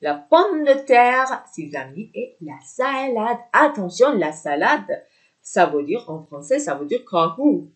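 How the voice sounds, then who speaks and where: Slow, patient woman teaching French. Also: a little high, big pitch swings. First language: Persian. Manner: patient, repeats each word, glosses in Persian. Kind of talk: slow vocabulary lesson, repeating words.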